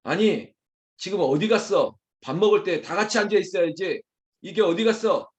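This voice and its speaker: A man voicing an angry father who scolds his family at the breakfast table, shouting and exasperated. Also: high-pitched, normal speed, voice pushed up, close to an everyday voice. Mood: angry scolding.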